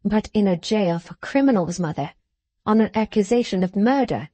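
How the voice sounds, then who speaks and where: A woman voicing an earnest grown son who pleads with his mother in a hushed, careful way. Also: mid-range voice, animated, moderate pace, dry recording, natural voice.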